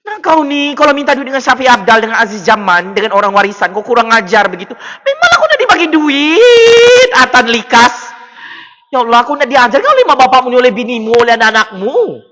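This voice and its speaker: A man with a Sabah Malay accent, ranting and taunting as a livestream political commentator on his own mic, with loud exclamatory bursts. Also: extremely high pitch, expressive, quick pace. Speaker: political commentator streaming to viewers. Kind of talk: mocking livestream rant. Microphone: personal microphone at a desk.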